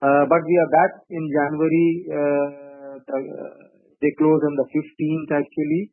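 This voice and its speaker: A man presenting quarterly results on an earnings call, measured and full of "uh" and "you know". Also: a little high, level tone, dry recording. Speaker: company executive presenting results. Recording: tinny phone-line audio, dry.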